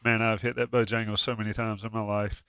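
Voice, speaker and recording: A man's voice: fairly low pitch, level tone, quick pace, a bit bright, clear, resonant tone, no room sound. Congested chatty man. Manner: chatty, joking, restarts often. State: congested with a cold. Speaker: podcast host. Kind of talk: casual sports chat.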